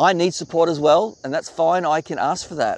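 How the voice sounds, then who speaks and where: A man speaks with an Australian accent at a moderate pace. The sound is dry, with no echo. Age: 40s. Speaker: YouTuber. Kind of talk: vlog monologue. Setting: outdoors at the beach. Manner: casual, with many fillers. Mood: warm, encouraging. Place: beach. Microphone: lapel.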